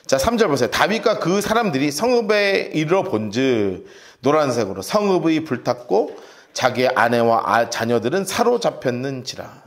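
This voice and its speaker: Animated man preaching a Bible-study sermon. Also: medium pitch, moderate pace. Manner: animated storytelling with shouted acted-out cries; tells listeners to mark verses in their Bibles. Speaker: pastor. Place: church sanctuary.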